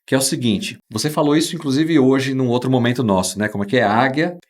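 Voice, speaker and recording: A man's voice: mid-range voice, fast talker. A man hosting a podcast interview, talking with enthusiasm and emphasis. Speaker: host.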